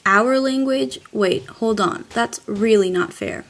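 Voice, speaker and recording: A woman's voice: a little high, slow pace. A woman playing an eager, naive young volunteer in an amateur theater skit, speaking earnestly. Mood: earnest, objecting.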